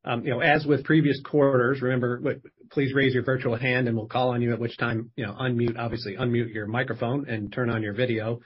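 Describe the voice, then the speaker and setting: A man's voice: mid-range voice, little pitch movement, brisk, hardly any pauses. A man moderating an earnings call, informally giving housekeeping instructions for the question session. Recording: slightly dull video call audio.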